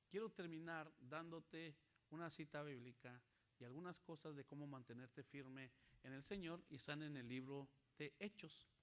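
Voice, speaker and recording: Guy preaching, kinda high voice, lots of questions, goes loud then quiet when he quotes people. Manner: emphatic preaching with rhetorical questions; acts out quoted voices, swinging loud and soft. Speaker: pastor. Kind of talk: sermon.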